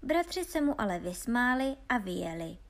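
A woman calmly reading a fairy tale aloud as storyteller. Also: a little high.

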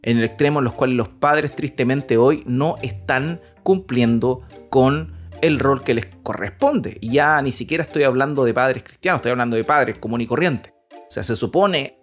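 A man co-hosting a Christian parenting podcast, talking earnestly and rambling with many restarts and repeated words. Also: medium pitch. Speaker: podcast co-host.

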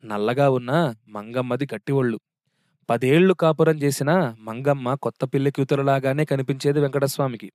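A man narrating a story in a steady, wry reading voice. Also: medium pitch, moderate pace, no echo, studio quality.

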